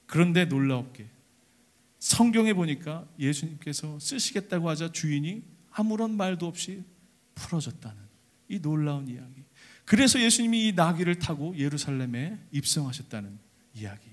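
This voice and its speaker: A young adult man, a junior pastor, preaching an animated storytelling sermon. He acts out the characters and asks the congregation questions. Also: fairly high pitch, normal speed. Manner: speaks directly to the congregation with questions. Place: church service.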